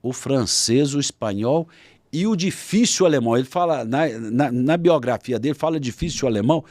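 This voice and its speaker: A man with a Brazilian Portuguese accent, a guest author, telling a historical story in a podcast interview and acting out shouted quotes. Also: mid-range voice, animated, normal speed, dry recording.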